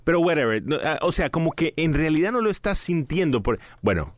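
A man's voice: a little high, sing-song, a little fast, no echo, clean studio sound. A man co-hosting a casual couple's podcast, playful and teasing, often mimicking excuses in exaggerated voices. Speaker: podcast co-host.

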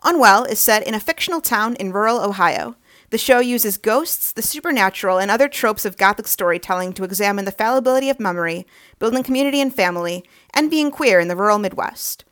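A woman's voice: mid-range voice, animated, fast, fairly bright tone. Woman presenting an audio drama promo. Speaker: podcast writer introducing a show. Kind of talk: scripted promotional narration.

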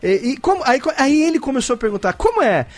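A man's voice: very high-pitched, fast talker, dry recording. A Brazilian man, a podcast host, telling a story to friends in casual chat, acting out both sides of a conversation. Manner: animated, acts out both sides of a dialogue.

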